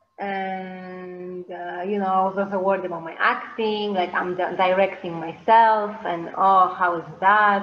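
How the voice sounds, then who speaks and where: In a Polish accent, a woman at a medium pitch speaks at a fairly slow pace with monotone, flat intonation, hardly any pauses and big swings in loudness, over noticeable background noise. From Poland. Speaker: actress and filmmaker. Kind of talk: casual interview. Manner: talkative.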